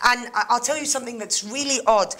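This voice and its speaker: Woman, interview guest, higher-than-average voice; animated chatter, lots of laughs and ums. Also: fast. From England and Greece. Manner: animated, laughs often, many fillers. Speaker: interview guest, mentoring manager. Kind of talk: casual chat.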